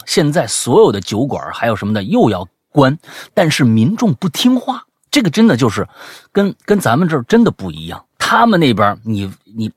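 A man's voice: mid-range voice, husky, no echo, studio quality. A man hosting a casual show, chatting, teasing and reading listener stories aloud. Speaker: host.

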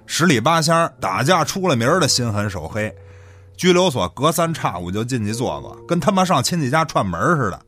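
An actor playing a brazen, cynical village boss in a Chinese radio drama, crude, sardonic and full of swearing. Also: male voice, mid-range voice, sing-song, fairly quick, fairly bright tone. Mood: mocking, accusing.

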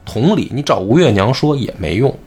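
Soft music sits behind this host's brisk, medium-pitched voice, which has a breathy edge. He explains a classic novel on a casual talk show, acting out the quoted characters with animation.

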